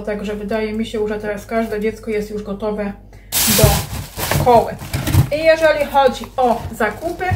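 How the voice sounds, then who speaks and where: A woman's voice: on the high side, noisy background. A mother in her thirties chatting casually to camera in a family vlog, rambling and talking straight to her viewers.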